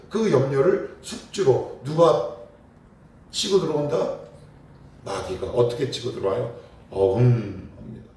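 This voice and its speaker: A man's voice: medium pitch, darkish tone. A man, a pastor, preaching a morning prayer sermon, emphatic and full of rhetorical questions to his congregation. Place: church sanctuary. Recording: very echoey hall, mic far off, faint noise.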